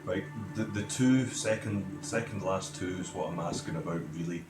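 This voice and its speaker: A man's voice: sits low, moderate pace. A man chatting casually as a player in a tabletop game. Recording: echoey room, loud music bed.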